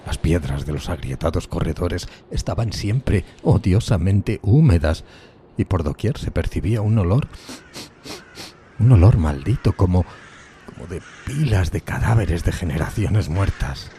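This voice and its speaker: An actor playing a tormented, solitary outcast in a gothic horror audiodrama, speaking in a brooding, solemn, halting dramatic way. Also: male voice, low voice, animated, mellow, slight background noise. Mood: haunted dread. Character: tormented solitary outcast man recalling a decayed gothic castle. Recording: music bed behind the voice.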